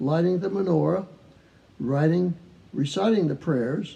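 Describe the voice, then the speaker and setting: This man has a high, dark, mellow voice with an American accent. He talks fairly slowly with lively intonation. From New York. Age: 90s. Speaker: church member. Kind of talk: personal reflection.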